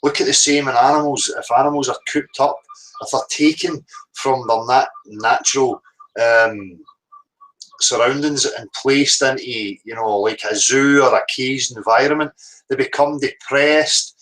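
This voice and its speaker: A Northern Irish man hosts a live stream in a loose, rambling manner, drifting between thoughts and swearing now and then. His speaking voice sits at an everyday middle pitch. He sounds unhurried and reflective. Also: fairly bright tone, low-quality recording. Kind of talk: casual live-stream monologue.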